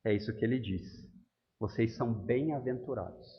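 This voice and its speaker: A man's voice: mid-range voice, fairly quick. A man with a Brazilian Portuguese accent preaching an expository sermon, emphatic and asking the congregation questions. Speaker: pastor. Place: church hall. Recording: dull, reverberant church recording.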